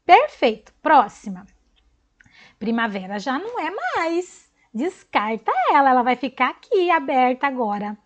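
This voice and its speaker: A woman teacher giving a recorded online class to young children, slowly spelling out letters and praising answers. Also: high-pitched, very animated, lo-fi sound. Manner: slow, encouraging, spells out letters and counts syllables.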